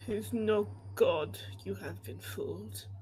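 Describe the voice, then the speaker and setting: Using a gruff put-on character voice, a man talks at a fairly slow pace and a fairly low pitch. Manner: menacing, close and breathy.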